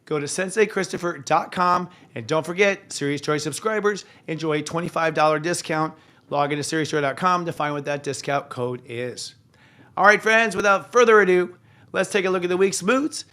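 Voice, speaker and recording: Hoarse, chatty male astrology host. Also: fairly high pitch, moderate pace, sharp tone. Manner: chatty, with frequent fillers and self-corrections. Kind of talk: live astrology show talk.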